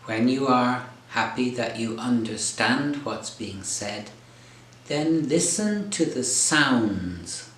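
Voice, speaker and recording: A man teaching an English lesson, explaining clearly and deliberately in an encouraging way. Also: mid-range voice, lively intonation, fairly bright tone, slight background noise. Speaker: English tutor. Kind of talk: slow, careful teaching explanation. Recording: roomy echo.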